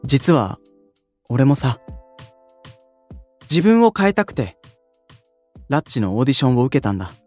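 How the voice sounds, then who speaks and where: A man playing a modest, sensitive young male idol in an anime-style audio drama, speaking softly and politely with some hesitance. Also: medium pitch, sing-song, moderate pace, pauses often, soft background music. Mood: sincere, tender.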